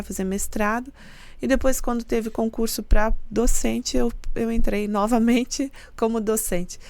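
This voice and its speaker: A woman's voice: fairly high pitch, no room sound. Earnest woman from southern Brazil, dry sound. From Santa Catarina, Brazil. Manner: earnest and explanatory, with soft laughs. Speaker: university rector, guest. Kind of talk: casual interview talk.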